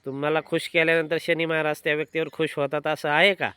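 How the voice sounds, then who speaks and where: A man's voice: fairly high pitch, flat delivery, quick pace, sharp tone, clear, resonant tone. A man interviewing someone in casual conversation, earnestly persuading him and pressing with repeated questions.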